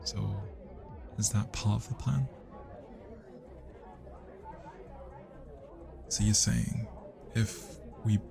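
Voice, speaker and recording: A British man playing a shy, smitten young student at a party, speaking softly and hesitantly in intimate roleplay ASMR, with sighs and whispers. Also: lowish voice, vocal fry. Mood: puzzled, curious. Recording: music and party chatter behind. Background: party music and crowd chatter.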